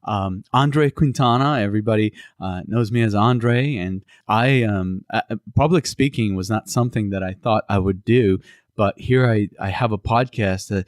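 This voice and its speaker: Middle-aged man from Cuba, English, podcast host, halting with fillers, low voice, dry close sound. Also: no echo. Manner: halting, many fillers and restarts. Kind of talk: casual interview podcast.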